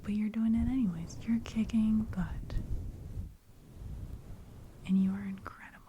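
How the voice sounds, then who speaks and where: A woman in her thirties giving a soft, encouraging whispered ramble for ASMR, full of "like" fillers, close on the mic. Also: mid-range voice, fairly even intonation, measured pace, a little hiss or hum. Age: 30s. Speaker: ASMR creator. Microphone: close studio mic with brushing.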